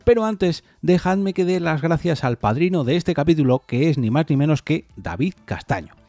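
A man's voice: on the high side, animated, moderate pace, darkish tone, dry recording. A man hosting a solo opinion podcast, reading definitions aloud and talking them through informally. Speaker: podcast host.

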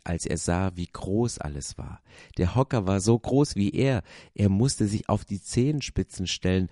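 A man, a pastor, reading a children's story aloud with expressive storytelling. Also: sits low, no room sound, studio quality.

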